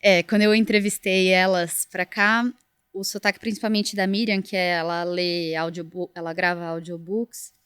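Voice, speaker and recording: A woman's voice: on the low side, little pitch movement, moderate pace, a bit bright, clean tone, no echo. Chatty young Brazilian woman host. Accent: Brazilian Portuguese. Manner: chatty, enthusiastic storytelling. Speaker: podcast host. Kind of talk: casual podcast interview.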